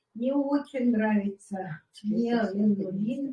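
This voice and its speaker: This woman's voice is fairly high in pitch, with a dark, mellow and somewhat breathy tone. She speaks at a very slow pace. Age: 60s. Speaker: network marketing partner. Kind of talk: testimony.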